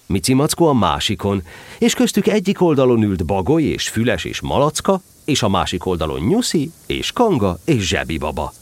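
Low, very animated male storyteller. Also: no room sound. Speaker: narrator. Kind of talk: expressive scripted children's story narration.

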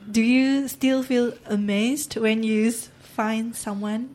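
Malaysian woman, kinda high voice, nods along and asks questions. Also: fairly even intonation, takes it slowly, a little mellow. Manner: agreeable, asks follow-up questions. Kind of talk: casual group chat.

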